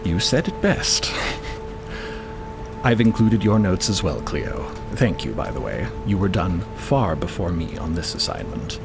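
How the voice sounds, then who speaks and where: A man playing a hesitant, measured scientist crewman in an audio fiction show, phrasing things carefully and haltingly. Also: low voice, very animated, vocal fry, music in the background, pitched below the performer's own voice, heavily acted. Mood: cautious, measured.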